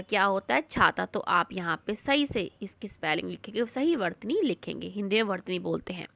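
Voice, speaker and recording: A woman's voice: on the high side, fairly bright tone, no room sound. A woman teaching young children, patiently going through a worksheet, asking questions and answering them herself. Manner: patient, repeats words and asks questions then answers them.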